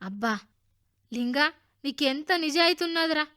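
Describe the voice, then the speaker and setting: An eager little village boy with a Telangana accent, his high, bright voice jumping up whenever he calls out, as a woman storyteller puts him on. He sounds loud and keen in a children's radio tale. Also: expressive, moderate pace. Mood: moved. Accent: Telangana Telugu. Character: excitable village boy Rangadu.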